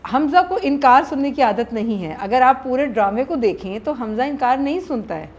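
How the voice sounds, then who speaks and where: Animated woman explaining her drama writing. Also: high voice, normal speed, dull audio, a little hiss or hum. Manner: animated storytelling, acting out characters' lines. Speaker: drama writer. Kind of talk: interview answers.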